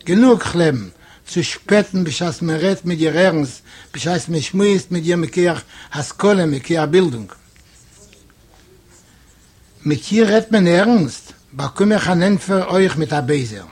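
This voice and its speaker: A man's voice: on the high side, animated, moderate pace, darkish tone, husky. A man whose first language is Yiddish, reading a literary story aloud expressively and voicing its quoted dialogue. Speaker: reader.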